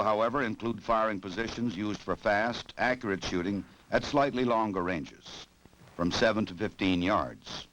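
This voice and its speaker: An American man reading scripted 1960s training film narration in a formal, measured, authoritative way. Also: lowish voice, fairly bright tone. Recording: noisy old film soundtrack.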